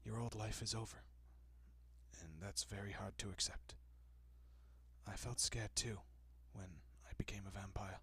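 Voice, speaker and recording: A man playing a gentle, courteous, possessive vampire in an intimate audio roleplay, speaking softly and often dropping to a whisper with hushed reassurance. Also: lowish voice, fairly even intonation, a little slow, husky, no echo, heavily acted. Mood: soothing, earnest. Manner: hushed, reassuring, politely old-fashioned.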